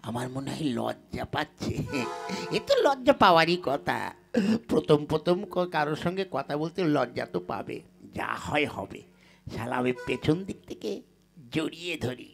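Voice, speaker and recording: A man playing a gullible, lecherous village lover in a folk puppet comedy, excitable and stumbling over words with eagerness. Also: fairly high pitch, moderate pace, creaky, faint music behind. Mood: excited, lustful.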